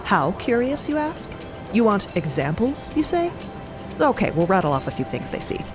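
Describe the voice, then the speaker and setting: Narrator: woman, medium pitch, lively inflection, scripted dramatic storytelling with music underneath. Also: moderate pace. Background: music bed.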